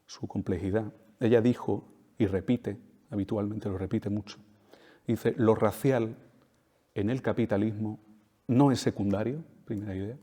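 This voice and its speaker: A man lecturing with a low, mellow voice. He drives his points home by repeating phrases and tagging them with quick questions to the audience. The sound carries a long hall reverb. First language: Spanish. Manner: emphatic, repeats key phrases, tag questions. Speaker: speaker at a talk.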